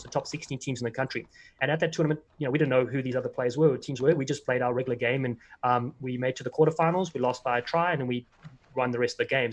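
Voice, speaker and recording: A man with a South African accent rattles off stories at a brisk clip, stopping often for fillers and restarts. His pitch sits in an ordinary middle range. He speaks over a video call. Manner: quick, rambling anecdotes full of fillers and restarts. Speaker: guest, former player and commentator. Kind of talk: casual interview storytelling.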